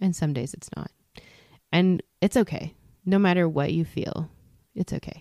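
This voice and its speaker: A dark, mellow tone with ordinary pitch variation comes at a fairly slow pace, recorded dry and close with no echo. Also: woman. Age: 30s. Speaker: guest, mom. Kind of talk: casual chat.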